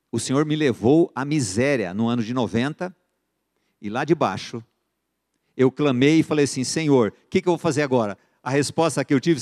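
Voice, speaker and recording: A middle-aged man with a Brazilian accent teaching a church finance course, telling stories and acting out buyers and sellers in the dialogues. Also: mid-range voice. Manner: lively storyteller who acts out buyer and seller dialogues. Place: church sanctuary. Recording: long church reverb.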